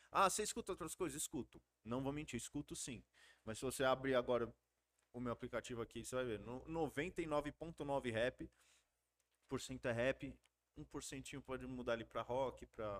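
With long, frequent pauses, a man talks at a moderate pace and medium pitch with ordinary pitch variation, in a dry, close sound with no echo. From São Paulo, Brazil (Grajaú), half his life in the US. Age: 40s. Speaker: English teacher and rapper. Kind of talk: casual chat.

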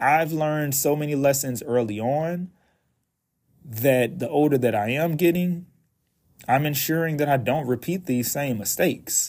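A man with an American accent and a fairly high pitch sounds animated at a moderate pace, his pitch varying in an ordinary way, in a very clean recording with a silent background. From Chicago, South Side. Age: 20s. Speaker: podcaster. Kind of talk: solo monologue podcast.

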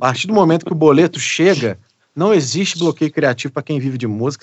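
A man speaks at a very fast pace with a fairly high pitch. His intonation is lively. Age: 30s. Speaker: guitarist podcast host. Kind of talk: casual chat.

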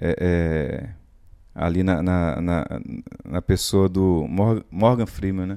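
A man with a very deep, low pitch and a dark, mellow tone speaks very slowly. His pitch varies in an ordinary way, and he pauses long and often. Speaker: podcast co-host. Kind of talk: reflective discussion. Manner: halting.

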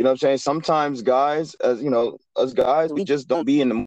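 In a plain, everyday voice with an American accent, a man speaks at a fairly high pitch with fairly even intonation, the sound dry and close with no echo over a quiet background. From New Jersey. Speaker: podcast guest. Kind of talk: casual chat.

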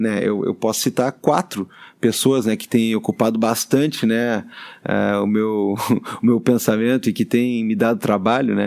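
Speaking in an ordinary speaking voice at a fairly slow pace, a man keeps fairly even intonation on a very clean recording with a silent background. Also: medium pitch for a man. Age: 40s. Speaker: law professor and podcaster. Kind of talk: casual academic discussion.

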